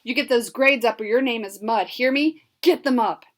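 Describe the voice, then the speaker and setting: A woman voicing a stern, angry father who barks orders loudly. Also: a little high, moderate pace, close to an everyday voice. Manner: loud, barking orders.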